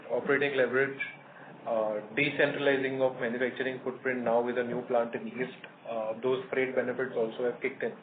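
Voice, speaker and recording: Phone-line audio, faint noise, Indian man, company executive, measured and hesitant, earnings call. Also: medium pitch. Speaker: company executive answering analysts' questions. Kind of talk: earnings call question and answer. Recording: noisy narrowband phone conference line.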